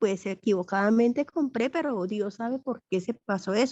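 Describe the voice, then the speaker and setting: A woman speaks at a fairly quick pace in a fairly high voice with a dark, mellow tone, ordinary pitch variation, and a dry, close sound with no echo. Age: 70s. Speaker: church member. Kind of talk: testimony. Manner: halting.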